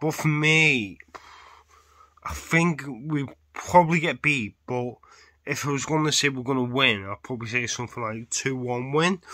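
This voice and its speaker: A moderate pace against a quiet background. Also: man. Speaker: football fan vlogger. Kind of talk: casual vlog chat. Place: home room. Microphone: phone near.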